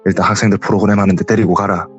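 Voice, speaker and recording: A man's voice: low-pitched, steady tone, rapid-fire, dull audio, soft background music. A young man with a heavy regional dialect tells a true ghost story as a guest, acting out the quoted voices.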